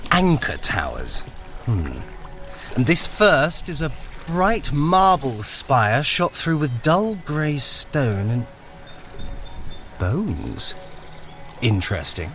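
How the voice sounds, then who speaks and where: An actor playing a clever, exasperated Norse trickster god in an audio drama, dry, sardonic and articulate. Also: male voice, mid-range voice, huge pitch swings, slow pace, pauses often, a bit bright, faint music behind, heavily acted. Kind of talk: scripted audio drama acting.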